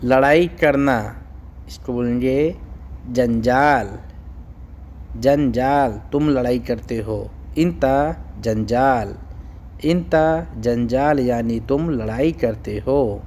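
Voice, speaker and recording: A man teaching phrases in a language lesson, saying each one slowly and repeating it. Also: medium pitch, darkish tone, slight background noise.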